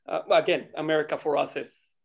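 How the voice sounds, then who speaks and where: A man from Costa Rica, a native Spanish speaker, tells stories casually in an animated, digressive way and swears freely. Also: fairly high pitch, fairly quick, gravelly. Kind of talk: casual chat, storytelling.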